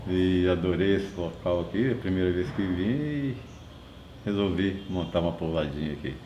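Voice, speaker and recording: A man's voice: sits low, normal speed, dull audio, a little hiss or hum. Roomy-sounding man in his sixties. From Minas Gerais, Brazil. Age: 60s. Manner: relaxed anecdotal, uses fillers like né. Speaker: guesthouse owner interviewee. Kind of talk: casual interview storytelling.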